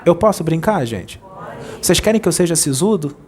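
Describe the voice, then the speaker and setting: A man with a Brazilian Portuguese accent, a spirit medium preaching informally in a playful, jokey way that rushes over his words. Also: a little high, animated.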